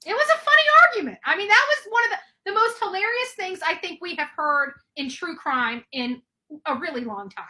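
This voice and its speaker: A woman's voice: very high-pitched, animated, fairly quick, pushed and bright. A woman hosting a true crime call-in show, talking at length and often restarting her sentences. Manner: rambling, with many restarts. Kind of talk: live call-in chat.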